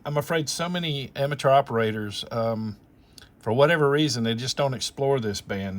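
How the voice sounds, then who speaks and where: A man with a mid-range voice hosts as an amateur radio operator. He talks casually through technical details, rambling and explaining as he thinks aloud.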